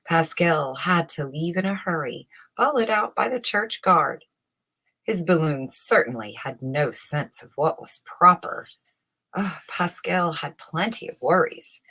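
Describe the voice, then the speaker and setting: A woman reading a children's bedtime story aloud in a measured, dramatic storyteller's manner with emphatic phrasing. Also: sits low, animated, pushed and bright, slightly rough. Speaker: storybook reader.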